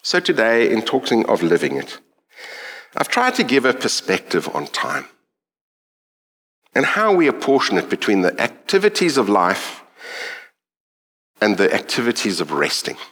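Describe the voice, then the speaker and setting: A middle-aged man from South Africa with a South African accent, preaching a sermon in an earnest, reflective way with thoughtful pauses. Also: lowish voice, wildly swooping pitch, a bit bright.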